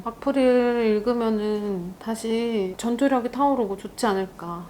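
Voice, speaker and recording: A young woman talks her way through a makeup routine in a lively, chatty vlog voice. Her pitch sits a little high and swings widely as she jokes and laughs. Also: a little hiss or hum. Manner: chatty and animated, laughs often. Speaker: beauty YouTuber. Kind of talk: get-ready-with-me makeup vlog.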